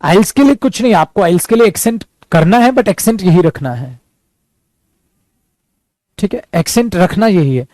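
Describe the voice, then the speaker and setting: A man with an Indian accent and a fairly high voice teaches spoken English. He explains in Hindi, repeats English example sentences slowly, and encourages his students as he goes. The sound is dry, with little room echo. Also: expressive, darkish tone. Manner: encouraging, calls students "beta".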